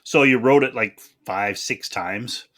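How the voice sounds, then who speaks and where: A man's voice: mid-range voice, slow pace, fairly bright tone. A man hosting a podcast interview in a casual, agreeable and encouraging way. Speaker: podcast host.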